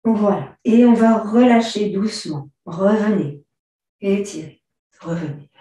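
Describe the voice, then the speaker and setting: Slow, soft-spoken woman teaching yoga. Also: medium pitch. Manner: slow, calm, gentle cues with frequent throat clearing. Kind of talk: guided stretching class instructions. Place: large room during an online class. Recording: very echoey room, far from the mic.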